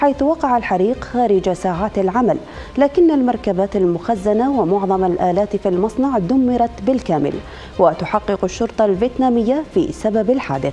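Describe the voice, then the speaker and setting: A woman speaks at a moderate pace over faint background music. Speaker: news presenter. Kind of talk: news reading. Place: studio. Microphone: lapel.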